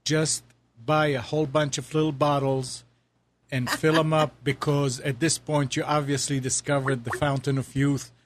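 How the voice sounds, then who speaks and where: A man's voice: fairly high pitch, flat delivery, moderate pace, a little hiss or hum. A man offering a joking piece of advice in an amused way.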